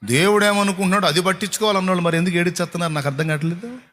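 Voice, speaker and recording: A man's voice: sits high, racing, fairly bright tone. A man preaching a sermon to a congregation, emphatic and repetitive, firing rhetorical questions. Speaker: pastor.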